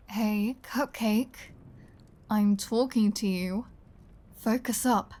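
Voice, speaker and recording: A woman acts out a female vampire in an ASMR audio drama, speaking at a slow, savoring pace in a medium register. She is flirty and sardonic, with playful menace under the teasing. Her delivery is close and intimate, ready to sink toward a whisper. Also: mid-range voice, mellow, close to an everyday voice. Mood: impatient, teasing. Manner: teasing, sardonic, drawling, drops into breathy whispers. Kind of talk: ASMR audio roleplay, intimate scripted acting.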